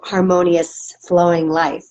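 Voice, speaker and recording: A woman's voice: fairly low pitch, little pitch movement, takes it slowly, a little mellow. A woman, a movement instructor, talking casually in a podcast with many fillers and restarts. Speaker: guest, movement and dance instructor. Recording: dull lo-fi audio.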